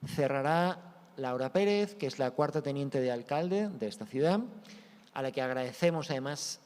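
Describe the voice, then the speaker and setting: A man moderating a conference, introducing speakers formally, with pauses and small restarts. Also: mid-range voice, expressive, a little mellow. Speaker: event moderator. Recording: reverberant conference hall.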